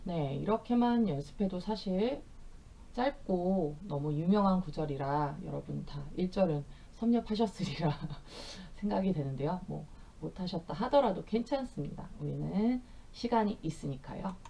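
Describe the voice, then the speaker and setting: A middle-aged woman teaching Bible verses in English with explanations, speaking gently with soft fillers and reading verses slowly for repetition. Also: on the low side, expressive, creaky, breathy edge. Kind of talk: bilingual scripture lesson with slow repetition drills.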